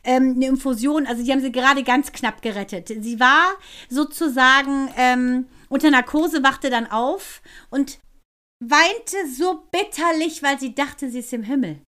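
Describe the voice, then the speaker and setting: A woman with a high voice, chatting casually as a podcast co-host. She tells stories with animation and acts out the lines of the people in them. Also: normal speed, a bit bright. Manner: laughing, chatty storyteller who acts out quotes. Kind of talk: casual chat.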